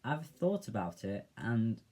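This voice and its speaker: A young man with a soft, gentle voice, talking in a reflective, hesitant way in a casual personal vlog. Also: mid-range voice, big pitch swings, unhurried. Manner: reflective, hesitant, with many fillers. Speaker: vlogger.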